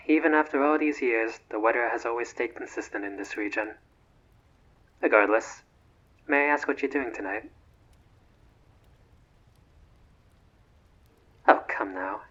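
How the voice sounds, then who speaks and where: A voice actor performs one side of a phone call in a scripted roleplay audio drama, playing a husky, genteel, old-fashioned male vampire who is immortal, courteous and bored. His diction is formal, measured and slightly haughty, punctuated by sighs. The voice is mid-range and a bit bright, though the highs are cut off.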